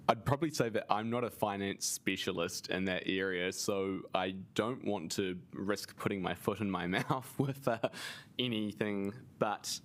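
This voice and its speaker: A man's voice: low-pitched, gravelly, a bit bright, a little hiss or hum. A man, presenting as a council officer in a formal meeting, polite and careful. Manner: polite, careful, a little hedging.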